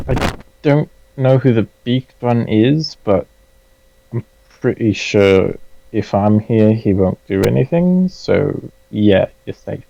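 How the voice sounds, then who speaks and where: Guy doing a british-accent elf, gravelly voice, dull lo-fi mic. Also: on the low side, expressive, slow pace, warm tone, exaggerated voice. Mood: easygoing. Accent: put-on British. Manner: casual, offhand. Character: easygoing male elf who loves animals.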